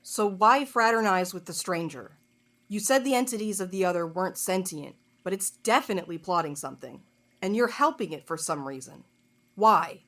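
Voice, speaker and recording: A woman's voice: fairly low pitch, expressive, normal speed, fairly bright tone. A woman playing a blunt, impatient investigator in an audio drama, curt, sardonic and insistent. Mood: probing.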